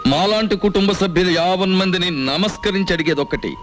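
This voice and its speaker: Earnest family man making a little speech, soft music behind. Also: sits high, fairly quick. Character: middle-class family man, reflective. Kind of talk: dubbed film dialogue. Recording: film soundtrack with background music.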